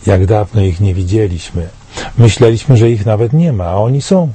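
A man in his sixties from Poland, giving a solemn, measured commentary read to camera in a studio. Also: lowish voice, mellow, breathy edge, no echo.

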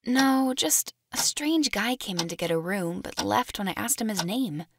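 A woman's voice: mid-range voice, expressive, normal speed, background noise, close to an everyday voice. A young woman playing a tired, reserved student who works late, speaking in a subdued, polite, hesitant way in an audio drama. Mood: tired, casual. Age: young adult.

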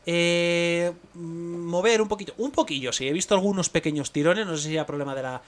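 Young male gamer with a Spain Spanish accent, voice somewhat high, live commentary, excitable, bursts into exclamations. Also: brisk. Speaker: gaming streamer.

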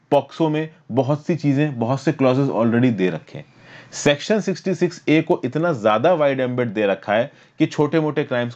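A man's voice: medium pitch, a little mellow. Man, young adult, exam-prep lecture, step-by-step explaining, slightly dull lo-fi sound. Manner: explains step by step, reads English legal text slowly. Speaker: current affairs teacher. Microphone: voice-over on slides.

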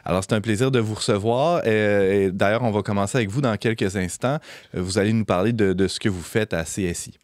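A man with a Québécois accent hosts a casual talk show from a radio studio. His voice sits a little low and he keeps things cheerful, laughing easily between questions. The sound is close and dry. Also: brisk, no room sound. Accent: Québécois French. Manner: cheerful, laughs often, relaxed hosting. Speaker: host.

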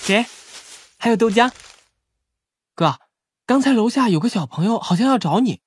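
A woman's voice: a little high, lively intonation, moderate pace, breathy edge. A woman voicing a naive, eager young policeman with a boyish, earnest manner, in an audiobook drama. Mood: earnest, flustered.

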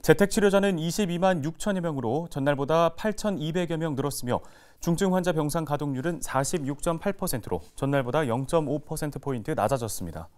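A man presenting a local news briefing in a lively announcer's delivery. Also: a little high, quick pace. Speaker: news anchor. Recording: music bed behind voice.

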